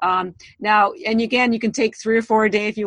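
In an unremarkable speaking voice, a woman talks at medium pitch and a moderate pace. The sound is dry and close, without echo. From Canada. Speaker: algae company founder. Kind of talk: interview.

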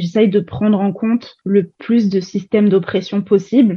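A woman speaks with an ordinary speaking voice at medium pitch. Her pace is moderate. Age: 20s. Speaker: ethical fashion consultant. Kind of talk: interview.

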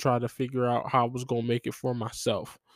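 At a moderate pace, a man talks with a medium pitch. The recording is very clean, with a silent background. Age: 20s. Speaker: solo podcaster. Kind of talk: casual monologue. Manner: halting.

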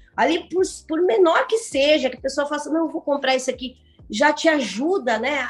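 High in pitch, a woman's voice comes through noticeable background noise. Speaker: small business owner. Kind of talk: interview.

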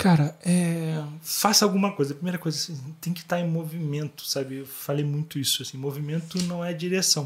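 Hardly pausing, a man with a Carioca accent talks in a fairly high pitch with fairly even intonation. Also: fairly quick pace. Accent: carioca Brazilian Portuguese. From Rio de Janeiro, Brazil. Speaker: engineer and business owner. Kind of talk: casual interview chat.

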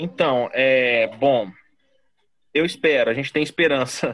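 Fairly slow speech from a man, fairly high in pitch with ordinary pitch variation. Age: 40s. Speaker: football fan. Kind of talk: casual chat.

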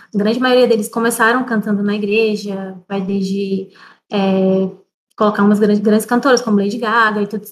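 An unremarkable speaking voice from a woman, fairly high in pitch, with fairly even intonation at a moderate pace. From Maranhão, Brazil. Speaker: singer and artist. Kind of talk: casual chat.

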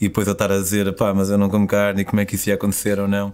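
A man speaks with a fairly low pitch and a European Portuguese accent. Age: 30s. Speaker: podcast host. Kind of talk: sponsor read; casual chat.

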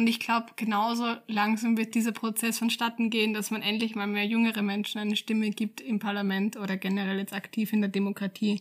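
A woman with a fairly high pitch and a somewhat breathy voice speaks at a fairly quick pace in a monotone, flat way. The recording is very clean, with a silent background. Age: 20s. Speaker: podcast co-host, medical student. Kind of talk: casual chat.

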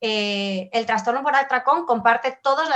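The woman's voice sits at a high pitch with ordinary pitch variation. She talks at a moderate pace. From Spain, raised from childhood after birth in Argentina. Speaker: nutritionist. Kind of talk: interview.

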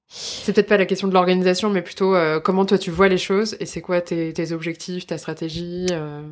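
A woman talks at a moderate pace and a medium pitch with hardly any pauses. Her intonation is monotone and flat. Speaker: podcast host. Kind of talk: casual interview. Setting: at guest's home.

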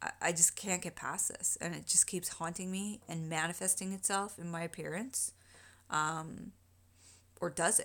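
The voice carries vocal fry and fairly even intonation at a moderate pace, captured in a very clean recording with a silent background. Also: woman, fairly low pitch for a woman. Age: 40s. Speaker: podcast host. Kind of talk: personal monologue. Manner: hesitant, many fillers.

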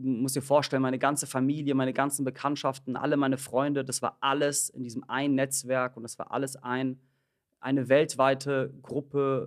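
This man speaks fairly quickly at a medium pitch. The intonation stays flat and monotone. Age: 30s. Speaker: entrepreneur. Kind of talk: interview.

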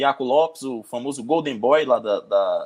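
Speaking at a very slow pace, a man uses lively intonation. His pitch is fairly high. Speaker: podcast host, football commentator. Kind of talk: casual chat, live-streamed podcast.

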